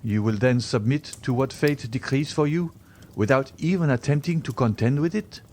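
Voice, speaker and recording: A proud young lover as a male narrator plays him speaks at a middle pitch with earnest, formal intensity. His devotion is edged with bitterness and desperation, in the manner of a classic-novel reading. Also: normal speed, darkish tone, a little hiss or hum, close to an everyday voice. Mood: sorrowful.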